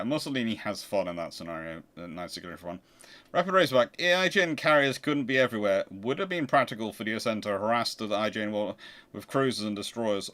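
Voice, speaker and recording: A man with a fairly low voice hosts a casual livestream. He speaks haltingly, doubling back on words and restarting phrases as he takes questions from viewers. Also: fairly bright tone. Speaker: livestream host.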